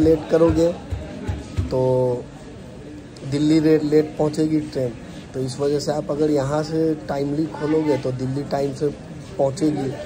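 The speaker talks at a fairly slow pace with fairly even intonation. Music plays in the background. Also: man. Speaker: train travel vlogger. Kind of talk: casual vlog chat. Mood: mildly frustrated about delay. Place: station. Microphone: phone near.

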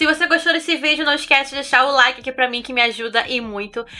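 Bright and sharp in tone, a woman's high-pitched voice carries ordinary pitch variation. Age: 30s. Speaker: beauty youtuber. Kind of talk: casual chat to camera while doing makeup. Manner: conversational.

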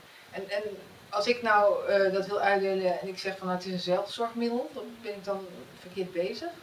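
Speaking at a fairly quick pace with fairly even intonation, a woman is heard with light background noise and audible room echo. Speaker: interviewer. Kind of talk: casual interview. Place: home room. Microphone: camera far.

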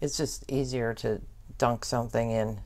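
A woman is speaking. Her voice has vocal fry. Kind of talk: tutorial. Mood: relaxed, chatty. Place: workshop.

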